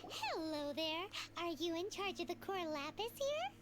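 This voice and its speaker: A woman's voice: extremely high pitch, big pitch swings, normal speed, background noise. An actress playing a tiny, bossy female fairy companion in a game, perky and indignant. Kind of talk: game voice acting.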